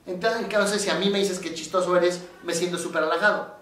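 This man, a psychologist with a Mexican accent, speaks fairly quickly in a high-pitched voice, explaining things casually and bringing his stories to life by acting out each quoted voice. The sound is very echoey, picked up from a distance and off the mic.

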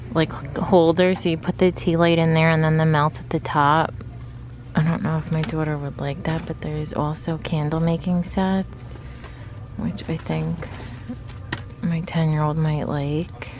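A low-pitched vlogger in her thirties chats through her face mask while browsing a large store with her phone camera. She muses aloud in casual shop-with-me style, and the handheld recording picks up plenty of store noise.

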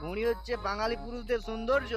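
A man's voice: very high voice, steady tone, very fast, loud music behind the voice. A man voicing a grumpy, middle-aged, pot-bellied drinking husband in a cartoon comedy. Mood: irritated.

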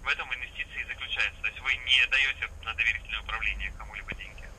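Fast, very bright man on a noisy speakerphone. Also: medium pitch, fairly even intonation. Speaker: investment company phone salesman. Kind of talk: phone sales pitch. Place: phone speaker inside a parked vehicle cab. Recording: noisy phone call on speaker in vehicle.

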